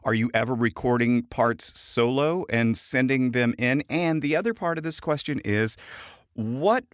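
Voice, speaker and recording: A man's voice: mid-range voice, unhurried, clean tone, no room sound, studio quality. A man hosting a podcast, asking questions in a casual interview style. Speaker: podcast host.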